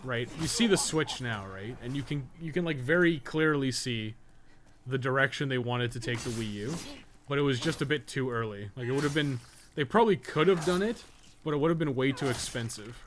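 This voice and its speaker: A man's voice: mid-range voice, a little fast, fairly bright tone, a little hiss or hum. A man rambling casually on a gaming live stream, swearing often as he talks. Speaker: gaming streamer and podcast co-host. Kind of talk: casual live-stream chat while playing.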